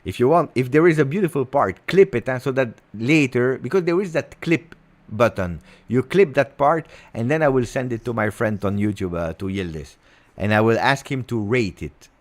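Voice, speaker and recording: A man's voice: mid-range voice, animated, moderate pace. Playful man streaming. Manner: playful, keeps stopping himself, repeats words. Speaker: football channel host. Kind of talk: casual livestream chat.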